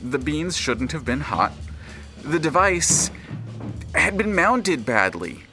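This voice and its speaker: A man's voice: a little high, big pitch swings, music in the background, full character voice. Audio drama narrator: grave and dramatic, takes his time, widely varied intonation. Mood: uneasy, insistent. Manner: measured, dramatic. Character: grave male narrator of a troubled tale.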